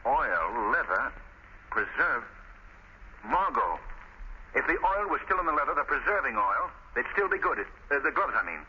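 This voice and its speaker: An actor playing a shrewd gentleman detective in 1930s radio style, urbane, deliberate and commanding. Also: medium pitch, very animated, natural voice. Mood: excited. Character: shrewd gentleman detective who poses as unseen avenger. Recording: noisy, dull 1930s radio recording.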